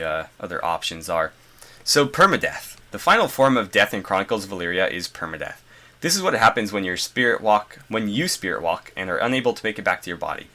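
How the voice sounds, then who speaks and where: Low, congested man reading game notes. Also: pushed and bright. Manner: reads passages then adds loose asides with fillers. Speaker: gaming video host. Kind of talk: reading and commenting on a game design journal.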